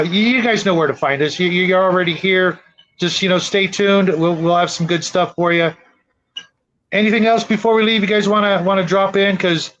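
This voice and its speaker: A man's voice: sits high, fairly bright tone, a little hiss or hum. A man hosting a casual livestream, speaking hesitantly and often repeating words, over dull lo-fi audio. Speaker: show host. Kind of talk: casual chat, livestream sign-off.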